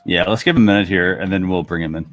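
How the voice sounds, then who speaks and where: A man with a somewhat low voice hosts a casual talk show. He speaks conversationally into a headset, in an everyday informal style. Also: very fast.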